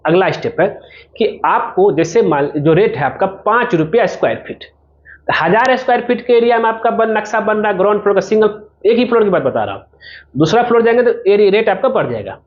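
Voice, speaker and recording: A man's voice: sits high, lively intonation, a little fast, dull audio. A man giving an informal promotional explainer as a civil engineer, talking the viewer through his service step by step and directly.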